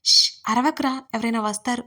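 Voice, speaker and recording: A woman's voice: on the high side, moderate pace, close to an everyday voice. A woman storyteller voicing a playful, teasing young woman who jokes with her fiancé in a romance audio story. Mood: hushed pleading. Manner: teasing, childlike banter.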